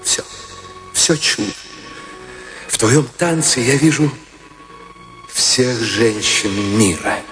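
Fervent theatre artist, wildly expressive. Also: male voice, medium pitch, takes it slowly, long pauses, low-quality recording. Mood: adoring. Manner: theatrical, declamatory, savouring words. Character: Craig, fervent, idealistic male theatre artist in love. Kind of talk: radio play acting. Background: music behind the voice.

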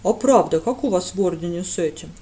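A woman voicing a brash, excitable young highlander man. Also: a little fast, close to an everyday voice.

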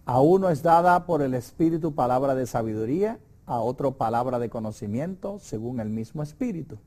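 A man's voice: medium pitch, animated, fairly quick, a little mellow. A middle-aged Puerto Rican man with a Puerto Rican Spanish accent, leading a conversational Bible study lesson in an emphatic, preacherly way. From Puerto Rico.

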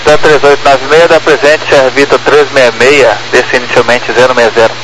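A man's voice: medium pitch, steady tone, normal speed. A Brazilian man speaking aviation phraseology over crackly military-style radio. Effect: radio transmission.

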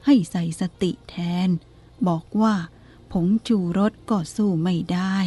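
A woman voicing a humble, deferential elderly female country cook in a storybook reading, slow and polite. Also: medium pitch, fairly even intonation, dark tone. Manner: deferential, polite and self-effacing.

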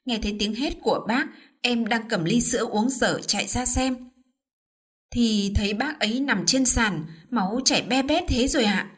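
A woman voicing a deceitful, cruel young woman who threatens with a shrill voice and later fakes a trembling apology. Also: moderate pace, husky. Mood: feigned trembling. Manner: shrill menace, then feigned tearful stammering.

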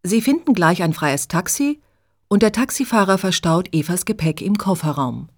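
A woman narrating a chapter of a story in clear, measured scripted reading. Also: lowish voice, expressive. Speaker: audiobook narrator.

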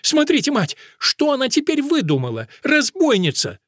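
A man voicing a shrill, furious older nun who scolds and accuses, in a dry audiobook recording. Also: huge pitch swings, moderate pace, fairly bright tone, no room sound, exaggerated voice. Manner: shrieking, accusing.

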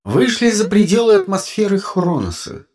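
A man voicing an anxious, excitable male shipmate who talks with urgency. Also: high voice, moderate pace, voice pushed up. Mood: relieved. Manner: urgent, fretful.

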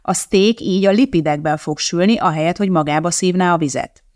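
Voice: medium pitch, no echo, studio quality, natural voice. A narrator voicing a precise TV cooking host woman. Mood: calm instructive. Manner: matter-of-fact, scientific explaining.

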